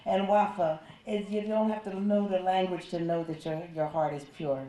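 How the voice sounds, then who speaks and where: A woman hosting an awards ceremony, giving emphatic, drawn-out praise with repeated words. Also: on the low side, fairly even intonation, warm tone. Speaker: ceremony host. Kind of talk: emcee remarks at an awards ceremony. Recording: echoey hall with faint crowd.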